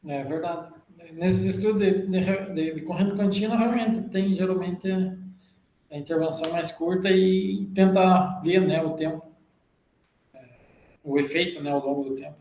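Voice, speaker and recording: High-voiced Brazilian man presenting a study. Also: a little slow, a little mellow. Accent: Brazilian Portuguese. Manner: explanatory, with frequent "né?" tag questions. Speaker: journal club presenter. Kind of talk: academic presentation. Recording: roomy echo.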